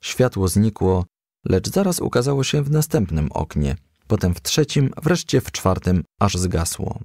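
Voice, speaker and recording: A man narrating a children's storybook as a gentle, lively storyteller. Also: lowish voice, measured pace, creaky, no room sound, studio quality.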